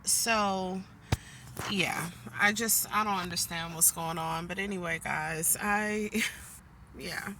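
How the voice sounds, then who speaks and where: Brief: forties woman vlogging from her car, ringing bright tone, chatty and fed-up. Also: on the low side, steady tone, slow pace, slight background noise. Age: 40s. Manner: chatty venting, keeps addressing viewers as "guys". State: annoyed. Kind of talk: casual vlog chat. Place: inside a parked car.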